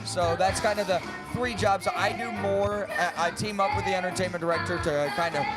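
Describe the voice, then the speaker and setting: A man's voice: high-pitched, steady tone, normal speed. An upbeat man working as a cruise director, talking casually and animatedly in a live interview. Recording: loud music behind the voice. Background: loud music.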